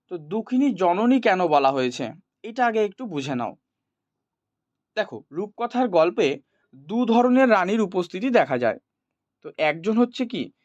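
A man teaching in an explanatory, didactic way, as if to school students, checking that they follow. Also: high-pitched. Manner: didactic, checks understanding with short questions. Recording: roomy echo, dull lo-fi sound.

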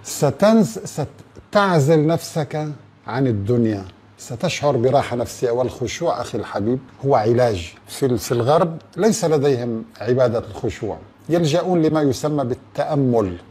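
A man's voice: mid-range voice, animated, fairly quick, darkish tone, breathy edge. A man giving a religious talk in an earnest way, asking rhetorical questions and speaking straight to the listener.

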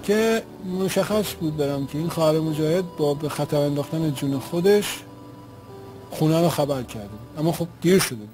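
A man's voice: fairly high pitch, expressive, music in the background, poor audio. A man giving spoken testimony as an eyewitness, retelling events in an earnest, vivid way.

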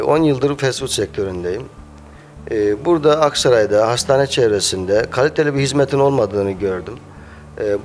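A man in his thirties who owns a cafe, answering interview questions hesitantly with many filler sounds, speaking into a handheld mic held by the interviewer in a small cafe. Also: mid-range voice. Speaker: cafe owner. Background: faint music.

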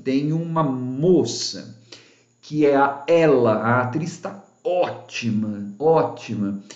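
A man hosting his own channel, reviewing a film in a chatty way with frequent tag questions and hesitations. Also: medium pitch. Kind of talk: casual spoken film review. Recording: echoey room, dull lo-fi sound.

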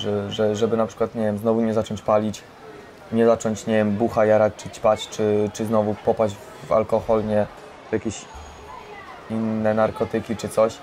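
Young guy, low and mellow, earnest personal talk, slight background noise. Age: teenager or young adult. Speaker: resident of a youth care centre. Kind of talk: candid personal testimony. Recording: faint background noise, ambience.

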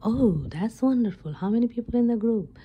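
A woman playing an obliging receptionist at a wellness retreat in an ASMR role play, whispering haltingly. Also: a little high, lively intonation, dark tone. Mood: pleased, helpful. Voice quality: breathy whisper. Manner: halting, unhurried explaining.

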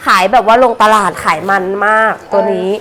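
A Thai woman selling clothes on a live stream in a chatty promotional pitch, with sweet polite address to customers. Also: brisk, fairly bright tone, rough recording. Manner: sweet polite particles, addresses customers as older sister and mother. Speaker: live-stream seller of secondhand clothing bales.

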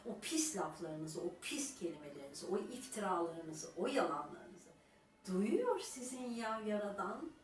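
A woman's voice: medium pitch, big pitch swings, measured pace, echoey room, recorded from a distance, slight background noise. A woman scolding her online critics in a scornful, lecturing monologue, throwing in repeated rhetorical questions. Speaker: YouTuber addressing her critics.

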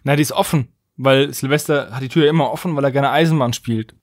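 A man's voice: medium pitch, fast. A man co-hosting a podcast, discussing casually in an analytical, questioning way. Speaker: podcast host.

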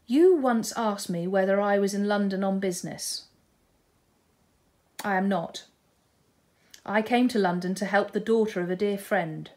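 A woman voicing a reserved, awkward older gentleman officer who speaks gravely and haltingly. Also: mid-range voice, lightly acted. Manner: hesitant, grave. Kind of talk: audiobook character reading.

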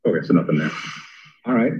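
A man's voice: low voice, animated, quick pace, breathy edge. A man chairing a council meeting, talking things through conversationally with fillers, heard over thin phone-like meeting audio. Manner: conversational, thinks aloud with fillers. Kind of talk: meeting discussion.

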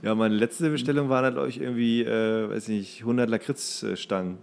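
A man talks in a medium-pitched voice. He is a podcast co-host, chatting loosely and informally as if with a friend. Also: fairly even intonation, normal speed, creaky, slight background noise. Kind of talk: casual banter between friends.

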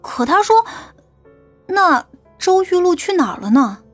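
A woman's voice: extremely high pitch, very animated, a little slow, soft background music, full character voice. An actress playing an earnest, questioning young female police officer in an audiobook, with an urgent manner. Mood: disbelieving.

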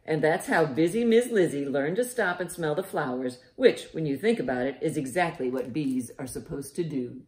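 Middle-aged female storytime host, very animated intonation, child-directed delivery, roomy living-room sound. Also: low-pitched. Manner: expressive, deliberate, child-directed. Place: living room, indoors by a fireplace.

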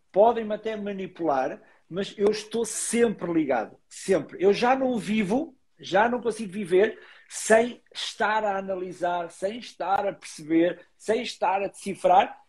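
A middle-aged man with a European Portuguese accent speaks in a notably high register. He explains with animated, emphatic energy, as a guest in a relaxed conversation. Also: measured pace. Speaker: body language expert guest. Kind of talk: casual interview over a live video call.

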